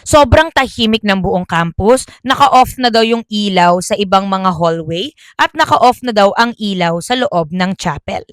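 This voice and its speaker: A woman's voice: mid-range voice, measured pace, dry recording. A woman telling a school ghost story in a casual, chatty way. She often stops to correct herself. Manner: chatty, self-correcting, Taglish.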